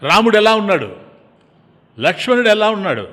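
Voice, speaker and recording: A man's voice: high voice, big pitch swings, brisk, fairly bright tone, voice pushed up, exaggerated voice. Grieving mother queen, pleading questions, put on by a male preacher; long hall reverb. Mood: anxious.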